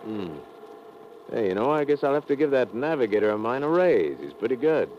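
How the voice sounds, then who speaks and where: An actor playing an easygoing, confident submarine commander in a 1950s radio drama, with casual authority. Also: male voice, medium pitch, sing-song, a little fast, close to an everyday voice. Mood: confident, commanding. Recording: dull, noisy old radio recording.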